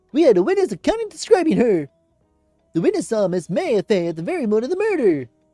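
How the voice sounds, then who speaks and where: In a put-on character voice, a man talks at a very fast pace and an extremely high pitch with very wide pitch swings, while faint music plays in the background. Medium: game stream. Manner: deferential, ends sentences with sir.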